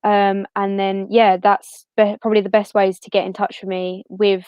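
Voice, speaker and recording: Female, around twenty, interview guest, casual and chatty, medium pitch, dry recording. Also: flat delivery, moderate pace, clear, resonant tone, no echo, muffled recording. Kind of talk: casual chat.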